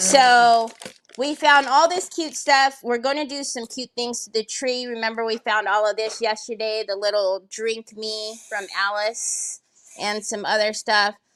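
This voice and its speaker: Fairly high in pitch, a woman talks at a fairly slow pace with ordinary pitch variation. She has an ordinary speaking voice. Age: 50s. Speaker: craft livestreamer, store owner. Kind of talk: casual livestream chat, craft tutorial. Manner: chatty, rambling, repetitive.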